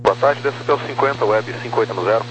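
Dude rattling off short control calls, crackly military-style radio, hum and static noise. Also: male voice, medium pitch, quick pace, dull audio. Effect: crackly aviation radio. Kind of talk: brief radio air traffic exchanges.

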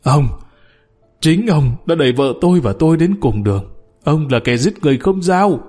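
A man's voice: fairly high pitch, lively intonation, moderate pace, a little mellow, husky, faint music behind. Man doing downtrodden male underling, scornful, accusing, wailing, storybook. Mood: furious.

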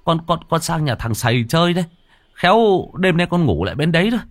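A man's voice: big pitch swings, normal speed, a bit bright, heavily acted. A man doing a panicky, pleading young son. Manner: high, pleading, stammering.

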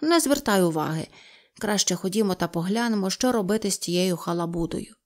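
A woman's voice: medium pitch, expressive, fairly quick, natural voice. A woman voicing a practical male water rat who speaks in a firm, decisive way in a storybook reading.

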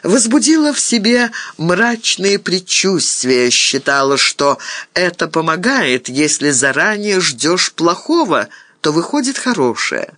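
A man reading a novel aloud as an audiobook, in an expressive, dramatic way. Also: sits high, measured pace, dry recording. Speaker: audiobook narrator.

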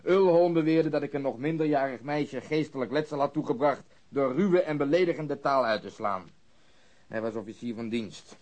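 Guy doing grumpy sarcastic cop in a radio play, medium pitched voice. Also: moderate pace, a little mellow, lightly acted. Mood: sardonic. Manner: gruff, sardonic. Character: gruff, sardonic, foul-mouthed male police detective. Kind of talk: Dutch radio drama dialogue.

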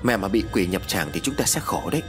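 A gruff, bossy older uncle who barks orders and scolds everyone around him, as a man acts him out. His voice rises and falls with animated force over faint music in a spoken ghost story. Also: low voice, fast. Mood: warning. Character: angry stern older uncle, Bác Phùng.

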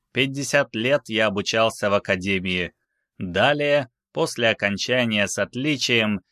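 A man voicing an ancient, courteous cyborg, once a captain, who tells his story in an unhurried, reflective way in a science fiction audiobook. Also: on the low side, fairly bright tone, no echo, studio quality.

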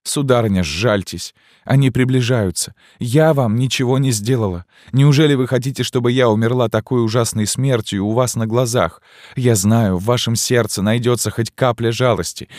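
A man's voice: medium pitch, a little mellow, dry recording, studio quality, pitched above the performer's own voice, close to an everyday voice. A man voicing a terrified young gypsy girl in an audiobook, pleading urgently for her life. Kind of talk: audiobook character voice.

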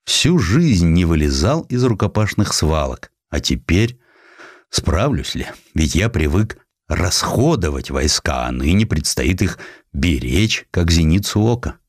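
A man voicing a brisk, self-assured nineteenth-century general in an audiobook, commanding and emphatic. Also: deep voice, very animated, no echo, clean studio sound, heavily acted. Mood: musing. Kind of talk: audiobook character acting.

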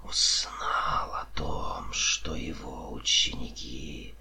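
A man voicing a mocking, arrogant serpent-man leader in an audiobook, in a soft, hissing whisper with a haughty, drawn-out delivery. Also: very deep voice, exaggerated voice. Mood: scornful. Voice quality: breathy whispering hiss, soft. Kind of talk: audiobook character voice.

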